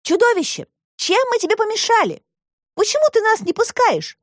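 A woman's voice: big pitch swings, normal speed, no room sound, studio quality. A woman doing a bold, ringing young girl. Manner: high, ringing and insistent. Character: brave, determined young girl explorer.

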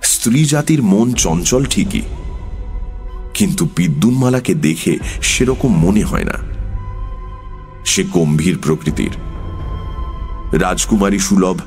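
Deep male voice, slow measured narration, faint background music. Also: expressive, darkish tone. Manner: measured, unhurried storytelling. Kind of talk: audiobook narration.

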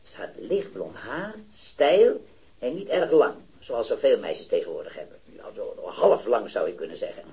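A robbery eyewitness in his thirties, a hesitant and eager metal worker, stammers through his account in 1970s radio drama acting. The man's mid-range, mellow voice has big pitch swings over dull audio, and he halts, repeats words, and rambles uncertainly.

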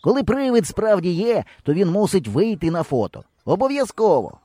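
A man reading an audiobook, voicing an excitable, boastful boy who exclaims and teases his friends. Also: sits high, normal speed, no echo, studio quality, pitched above the performer's own voice. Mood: excited. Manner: eager, exclaiming, sarcastic.

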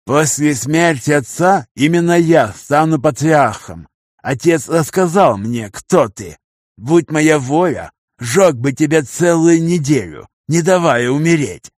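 A man voicing an arrogant, cruel man of about forty in an audiobook, making slow, loud threats. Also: a little high, expressive, no room sound, clean studio sound, voice pushed up. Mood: sneering threat. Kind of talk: audiobook character reading.

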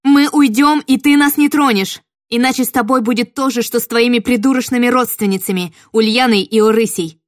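A woman voicing a brave young woman who shouts insults and threats in defense of her sister. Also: on the high side, brisk, few pauses, pitched above the performer's own voice, lightly acted. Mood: defiant. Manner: defiant, shouting.

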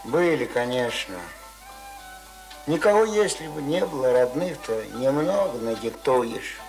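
A man's voice: medium pitch, expressive, a little slow, a little mellow, soft background music. An actor playing a stubborn, uneducated old village man in a radio play, grumbling in folksy, colloquial speech. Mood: pensive. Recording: roomy radio play recording, faint noise.

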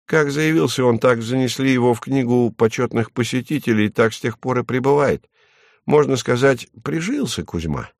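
A man voicing a timid, tender-hearted male commandant who speaks softly and hesitantly. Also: medium pitch, lively intonation, moderate pace, vocal fry, no room sound, clean studio sound, pitched above the performer's own voice. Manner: soft and hesitant.

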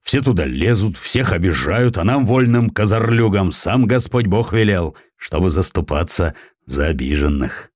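Man acting a brash, folksy, animated Cossack adventurer. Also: deep voice, moderate pace, dry recording, studio quality. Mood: folksy, assured. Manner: folksy, plain-spoken, bold. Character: brash, free-spirited Russian Cossack adventurer, a big man. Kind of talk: acted dialogue in an audiobook.

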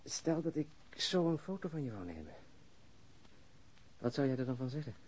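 An actor playing a weary, wry police detective and husband in a naturalistic radio drama, speaking in a laconic, dry, understated way. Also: male voice, mid-range voice, sing-song, normal speed, darkish tone, slightly rough. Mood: wry, playful.

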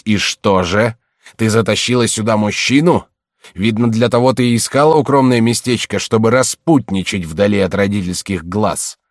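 A man's voice: low-pitched, dry recording, studio quality. Man doing a wrathful older samurai father. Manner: loud, slow, scolding.

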